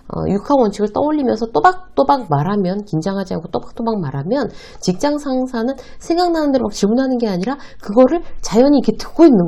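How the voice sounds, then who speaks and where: A woman's voice: medium pitch, warm tone. A woman hosting a lesson on workplace advice, asking and answering her own questions and acting out short exchanges. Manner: acts out short quoted exchanges. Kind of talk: talk-style lesson to viewers.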